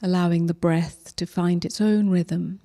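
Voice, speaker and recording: Slow, mellow woman guiding meditation. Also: on the low side, steady tone. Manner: gentle, unhurried, with long pauses. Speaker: meditation teacher. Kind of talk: guided meditation.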